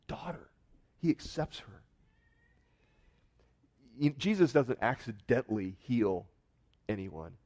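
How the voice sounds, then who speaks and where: A man delivers a sermon in an average-pitched voice, retelling a story with lively rises in pitch and loudness on key moments. He dramatizes quoted words and then drops back to a calm, earnest tone. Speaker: pastor.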